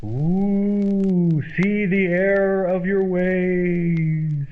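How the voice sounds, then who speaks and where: A man's voice: sits high, steady tone, extremely slow, pitched above the performer's own voice. A man voicing a solemn, wailing Christmas ghost in old-time radio comedy. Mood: spooky, solemn. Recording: muffled old-radio sound, faint noise.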